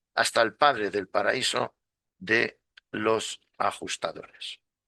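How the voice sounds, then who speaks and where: The tone is bright and sharp as a man speaks with a Spanish accent. The sound is dry and close with no echo, and the background is quiet. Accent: Peninsular Spanish. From Spain. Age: 70s. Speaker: retired railway worker. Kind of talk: spiritual lecture presentation.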